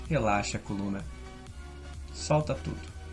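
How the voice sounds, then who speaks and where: The speech moves at a moderate pace over faint music in the background. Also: man. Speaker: fitness instructor. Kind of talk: exercise class instruction. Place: garden. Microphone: camera far.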